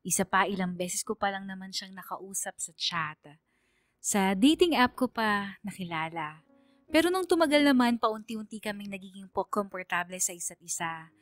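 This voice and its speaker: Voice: medium pitch, normal speed, no room sound, faint music behind, natural voice. An actor playing a young gay male student who narrates his love story to a radio DJ in a playful, confiding way. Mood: giddy, boastful. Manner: chatty, playful, self-flattering. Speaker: letter sender narrating to a radio DJ. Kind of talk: confessional first-person radio drama narration.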